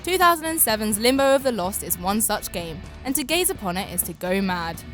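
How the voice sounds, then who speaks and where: A woman's voice: mid-range voice, very animated, fairly quick. A British woman delivering comic scripted commentary in a sardonic, incredulous manner. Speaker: video narrator. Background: music.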